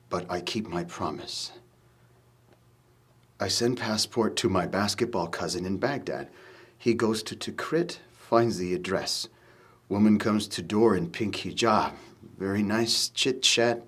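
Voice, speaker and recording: Grave man's letter, low and hushed. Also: husky. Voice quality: quiet, broken English, somber. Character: grieving Iraqi man writing a letter. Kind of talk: voice-over letter reading.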